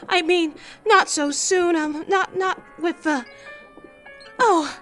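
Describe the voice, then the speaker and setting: A woman's voice: very high-pitched, steady tone, takes it slowly, a bit bright, faint music behind, voice pushed up, heavily acted. A woman voicing a nervous, apologetic female embassy official in an audio drama, hesitant, fussy and stammering. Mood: flustered, apologetic.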